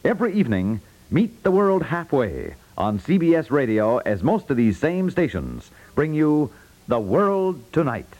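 Animated male radio announcer. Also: on the high side, poor audio. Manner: polished, measured emphasis. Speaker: network announcer. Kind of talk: 1950s radio promo, scripted narration.

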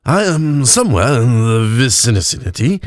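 A man voicing an earnest, drunken old elf cleric with slurred, halting speech and an invented elvish accent. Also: medium pitch, big pitch swings, dry recording, clean studio sound, pitched above the performer's own voice. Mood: earnest, tipsy. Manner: halting, stumbling over words. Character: drunken two-hundred-year-old male elf cleric, earnest, rambling.

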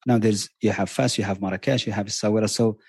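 A man's voice: lowish voice, steady tone, fast talker, a little mellow, breathy edge, dry recording. A man from Morocco with a Moroccan accent, chatting as a guest in an enthusiastic, storytelling way and often repeating words. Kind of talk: casual podcast chat.

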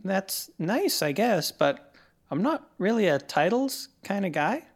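An actress playing a wry, unpretentious crew member in a sci-fi audio drama, casual and dry. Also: female voice, mid-range voice, sing-song, a little slow. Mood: bemused.

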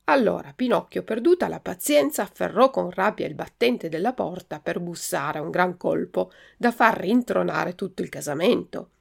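Gravelly-voiced woman reading a story. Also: lowish voice, normal speed, few pauses. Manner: expressive, lively. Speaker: narrator.

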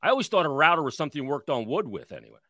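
Bright, sarcastic co-host. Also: male voice, fairly high pitch, sing-song, very fast, no echo, clean studio sound. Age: 50s. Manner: sarcastic, joking. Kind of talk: casual podcast chat.

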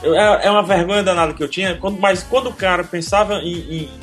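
High-voiced Cearense man. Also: fast talker, fairly bright tone, soft background music. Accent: Cearense Brazilian Portuguese. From Ceará, Brazil. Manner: storytelling, self-deprecating humor. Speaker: podcast guest. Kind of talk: casual podcast chat.

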